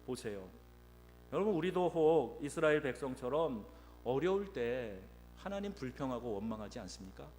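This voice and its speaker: A man preaching a Sunday sermon as pastor, swinging from quiet asides to loud acted-out quotes. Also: mid-range voice, very animated, moderate pace, big-room sound, faint music behind. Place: church sanctuary.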